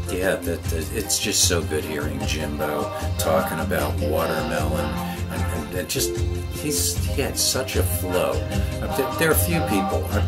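Male podcast host, deep voice, casual rambling commentary, halting repetitions, prominent music behind. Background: loud music.

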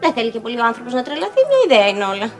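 A young actress playing a sarcastic, scolding daughter in a TV sitcom. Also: female voice, fairly high pitch, very animated, music in the background. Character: sharp-tongued young daughter. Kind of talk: TV sitcom acting.

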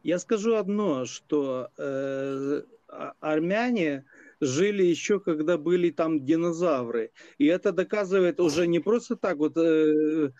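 A man's voice: fairly high pitch, a little slow, dark tone, dry recording. A man arguing as a guest on a live video call, stammering and repeating his words. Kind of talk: argumentative live debate. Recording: dull muffled internet call audio.

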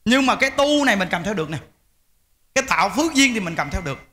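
A man's voice: sits high, big pitch swings, quick pace, pushed and bright. A man, a Buddhist monk, giving an informal, emphatic dharma talk to lay followers. He repeats words and often speaks to his listeners directly.

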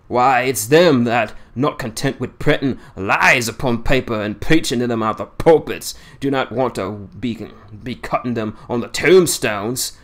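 Old sailor, scornful and grumbling, broad dialect, as an audiobook reader puts him on. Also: male voice, mid-range voice, natural voice. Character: boastful grumbling old male Yorkshire seaman. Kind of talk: audiobook reading.

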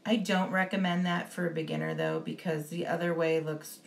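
A woman giving a relaxed, step-by-step baking lesson as a voice-over, with frequent ums. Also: low-pitched, normal speed, gravelly, slight background noise. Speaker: baking instructor. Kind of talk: instructional voice-over.

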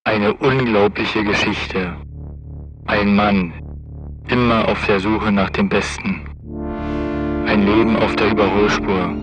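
Guy doing a big dramatic movie trailer guy, low voice, music behind him. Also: steady tone, slow pace, long pauses. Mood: grandiose. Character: bombastic male movie trailer announcer. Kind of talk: dramatic film trailer narration parody. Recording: voice over clear background music.

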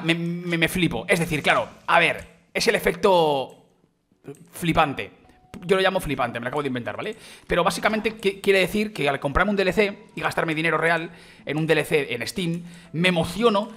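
A man with a Spain Spanish accent, gushing and swearing casually while giving let's play commentary as a gaming YouTuber. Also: a little high. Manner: excitable, gushing, peppered with mild swearing and filler.

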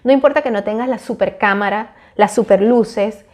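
A woman's voice: medium pitch, normal speed, a little mellow. A woman, talking to camera on a lapel mic in a small room, earnest and encouraging with frequent hesitations. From Venezuela. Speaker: YouTuber. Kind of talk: casual talk to camera.

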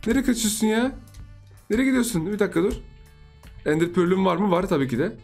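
A man's voice: high-pitched, animated, fast, darkish tone, faint music behind. A young man giving playful, chatty commentary over his own gameplay, repeating phrases and laughing often. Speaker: gaming YouTuber.

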